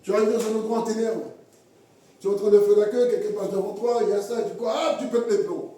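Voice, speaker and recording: A man preaching a sermon in a halting way, repeating words and acting out little everyday scenes. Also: sits high, fairly even intonation, warm tone. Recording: echoey hall from far off.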